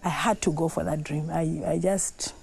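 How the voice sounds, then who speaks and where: A Zambian woman whose first language is Tonga, telling her life story in a reflective, unhurried way with pauses and restarts. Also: deep voice, steady tone, vocal fry, darkish tone, breathy edge. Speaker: documentary interviewee.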